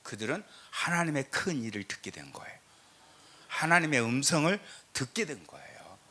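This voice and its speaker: A middle-aged Korean pastor from the south with a slight southern regional lilt, preaching a teaching sermon with scripture readings and rhetorical questions. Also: male voice, mid-range voice, sing-song, normal speed, sharp tone. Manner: emphatic, rhetorical questions, frequent "eo" fillers. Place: church sanctuary.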